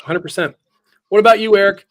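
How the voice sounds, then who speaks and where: A man's voice: high voice, fast. A man hosting a casual live interview, asking questions and telling upbeat stories of his own. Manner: upbeat, animated storyteller. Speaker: host.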